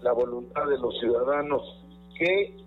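A man's voice: medium pitch, a little slow. Formal Mexican man, thin phone-like sound. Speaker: political candidate. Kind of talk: press conference statement. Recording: phone-like clip with faint hum.

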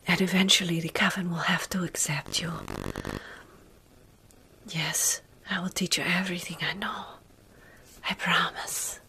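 A woman in her thirties whispering slowly and soothingly in an ASMR roleplay, playing a caring, centuries-old vampire close to the microphone. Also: fairly low pitch, steady tone, slight background noise. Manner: soothing, hushing, slow and deliberate.

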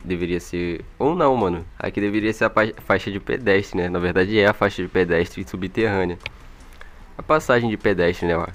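A man with a Brazilian accent giving casual, slangy, chatty gameplay commentary into an old microphone. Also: on the low side. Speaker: gaming video creator. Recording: music behind, old microphone.

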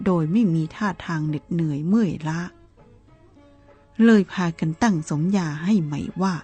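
A woman reading a Buddhist novel aloud in a calm, measured storytelling manner, with soft music behind her. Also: on the low side, husky. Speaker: narrator.

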